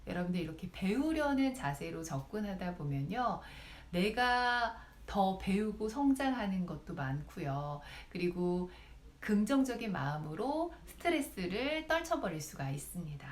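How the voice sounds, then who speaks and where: A woman speech lecturer talks straight to her viewers, giving advice. Her pitch rises and falls a great deal as she speaks. The room around her rings with a noticeable echo. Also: measured pace. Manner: lively, directly addresses viewers. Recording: roomy echo.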